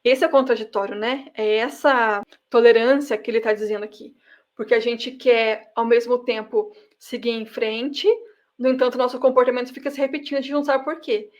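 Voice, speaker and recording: A woman with a Brazilian accent reads a psychology book aloud, her voice sitting a little high. She moves between steady reading and direct, emphatic asides to her listeners. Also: fairly quick, highs cut off. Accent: Brazilian Portuguese.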